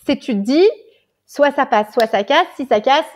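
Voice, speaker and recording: A woman guest on a podcast telling an animated, casual story, swearing freely and checking in with the listener. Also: sits high, moderate pace. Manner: animated, swears casually, keeps saying "tu vois". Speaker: guest, tea salon founder.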